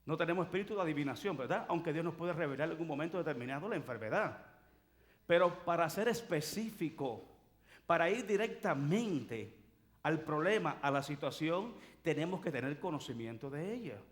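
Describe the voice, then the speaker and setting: Male pastor, fairly high voice, emphatic preacher who builds volume at key points, church sanctuary. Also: animated, fairly quick. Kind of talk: sermon.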